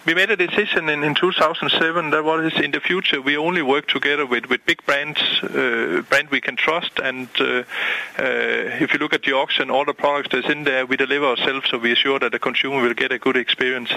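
A man's voice: mid-range voice, steady tone, brisk, sharp tone, low-quality recording. A man from Denmark with a Danish accent, a company CEO speaking by phone, explaining his business with many fillers and restarts. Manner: hesitant, many fillers and repeated words. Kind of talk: phone interview, casual explaining. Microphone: phone line.

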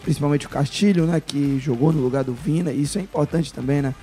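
A man hosts a live sports podcast in a Northeastern Brazilian accent. His voice sits a little high yet has a dark, soft edge, hoarse with a smoker's rasp. He talks casually, with faint music underneath. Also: fast. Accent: Northeastern Brazilian, Ceará.

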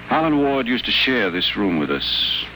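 An actor playing a wry, wary sanitarium patient with a dry, articulate delivery in a 1950s radio drama. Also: male voice, medium pitch, sing-song, normal speed, bright, forceful tone, low-quality recording. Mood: grave, confiding. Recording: old 1950 radio broadcast, faint noise.

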